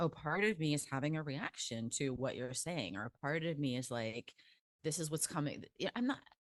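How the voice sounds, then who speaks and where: Moving at a moderate pace, a woman with a very deep, low pitch uses lively intonation, the sound dry and close with no echo. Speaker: therapist. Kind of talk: interview conversation.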